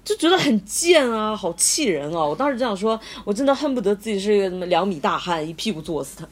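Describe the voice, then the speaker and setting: A woman's voice: mid-range voice, sing-song, fast, a little hiss or hum. A woman co-hosting a podcast, telling a story in casual chat and laughing often. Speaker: podcast co-host.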